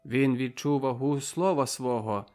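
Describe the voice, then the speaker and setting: Male audiobook narrator, medium voice, measured and expressive, faint music underneath. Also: mid-range voice.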